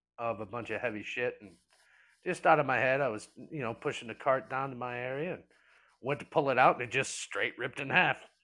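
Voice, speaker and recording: A man talks at a fairly quick pace with long, frequent pauses and big swings in loudness. His tone is bright and sharp, and the recording is very clean with a silent background. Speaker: guest co-host. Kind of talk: casual chat.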